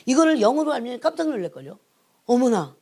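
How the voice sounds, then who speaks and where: A middle-aged woman, an evangelist, preaching an emphatic sermon that keeps prodding her listeners and drops to hushed asides. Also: on the high side, sing-song, fast talker. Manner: emphatic, prods the congregation with repeated "예?"; swings between raised emphasis and hushed asides. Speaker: church evangelist, prayer team leader.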